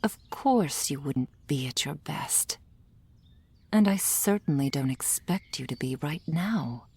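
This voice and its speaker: A woman's voice: low voice, lively intonation, exaggerated voice. A woman playing a whispering soul healer. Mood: soothing. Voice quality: breathy whisper. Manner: soft whispering, slow and soothing. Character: gentle female soul healer, calm and tender. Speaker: ASMR performer. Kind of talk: ASMR roleplay. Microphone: close microphone.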